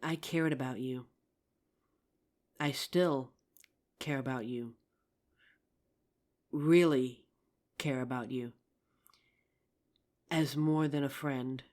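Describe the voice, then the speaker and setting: A performer playing a regretful, tender zombie apocalypse survivor in an intimate audio roleplay, speaking earnestly with hesitant pauses. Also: mid-range voice, fairly even intonation, darkish tone, natural voice. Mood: tender, vulnerable. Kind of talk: ASMR audio roleplay, intimate scripted drama.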